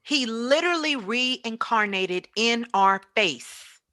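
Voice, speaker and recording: A woman with a bright, forceful voice speaks as a spiritual teacher. Her delivery is motivational and emphatic, preaching her points and driving them home with repetition. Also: on the high side, animated, takes it slowly. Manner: emphatic, preaching, with repeated phrases.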